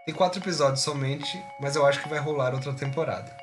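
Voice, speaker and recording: Man, podcast host, scripted narration, brisk upbeat manner, music underneath. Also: a little high.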